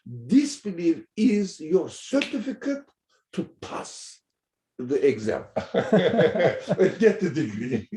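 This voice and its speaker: A man explaining a religious text in an animated way, chuckling often and pausing to search for words. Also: on the high side, echoey room, a little hiss or hum. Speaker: religious teacher.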